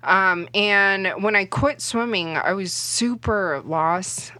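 A young woman whose first language is Cantonese, talking as an interview guest. Her voice is bright and forward, and the sound is close and dry. She rambles and leans on fillers as she goes. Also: mid-range voice, takes it slowly, no echo. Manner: chatty, rambling, heavy on fillers like "you know". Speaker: sports reporter, guest. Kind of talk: casual interview chat.

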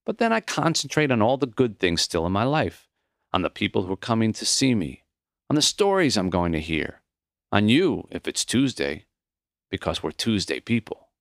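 Gentle old male teacher facing death, played by a male narrator, earnest, low-pitched, measured, dry audiobook sound. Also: big pitch swings, creaky, dry recording. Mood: mournful, accepting. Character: gentle, reflective, dying elderly male teacher. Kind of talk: audiobook character voice.

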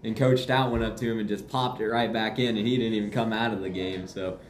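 A young man answering interview questions as a high school athlete, confident and matter-of-fact. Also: fairly even intonation, brisk. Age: young adult. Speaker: high school basketball player being interviewed. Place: indoor room with guests present. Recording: echoey room, faint background noise.

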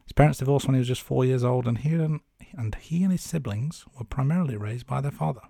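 Husky, dark-voiced man co-hosting a podcast. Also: medium pitch, quick pace, no echo, studio quality. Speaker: podcast co-host. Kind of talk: podcast presenting, part scripted narration, part casual chat.

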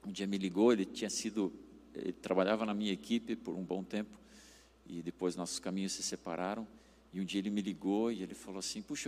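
A man's voice: on the low side, darkish tone. A man from southern Brazil with a German accent in his Portuguese, preaching conversationally as a pastor. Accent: German-influenced Brazilian Portuguese. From Curitiba, southern Brazil. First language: German as first language of literacy. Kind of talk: conversational sermon with anecdotes. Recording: reverberant hall sound.

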